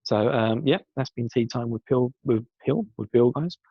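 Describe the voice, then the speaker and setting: A hoarse man with a sore throat, chatting casually in a rambling, self-correcting way. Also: mid-range voice, moderate pace, no room sound. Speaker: podcast guest segment presenter. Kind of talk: casual pre-recorded segment. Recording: dull lo-fi dry recording.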